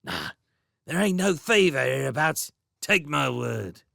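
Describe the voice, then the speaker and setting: A man growling as surly gravelly rat guards. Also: fairly high pitch, big pitch swings, measured pace, sharp tone, dry recording, clean studio sound, voice pushed up, exaggerated voice. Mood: scoffing. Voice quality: gravelly, rough-edged. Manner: blustering, threatening, coarse slang. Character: two surly male rat guards, lazy and boorish. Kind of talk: audiobook character voice.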